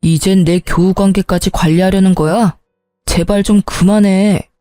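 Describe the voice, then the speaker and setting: A woman's voice: mid-range voice, fairly even intonation, normal speed, dark tone, dry recording, soft background music, close to an everyday voice. Woman voicing a whiny hungover husband. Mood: defensive. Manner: whiny, defensive, grumbling. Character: irritable hungover married man. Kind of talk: storybook narration voicing a character.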